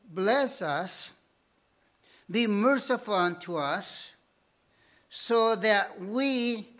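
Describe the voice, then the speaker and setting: Slow, high-voiced preacher. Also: male voice, fairly bright tone. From Bolivia. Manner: slow, emphatic preaching with repeated phrases. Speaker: missionary preacher. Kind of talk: sermon.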